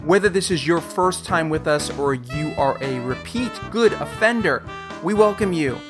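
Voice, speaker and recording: A man hosting a podcast, joking playfully and talking in an animated, upbeat way. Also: on the high side, normal speed, music in the background. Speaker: podcast host.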